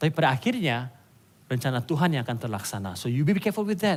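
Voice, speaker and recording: A man speaks at a very fast pace in an animated tone, and his voice is somewhat breathy. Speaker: pastor. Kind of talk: sermon. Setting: church.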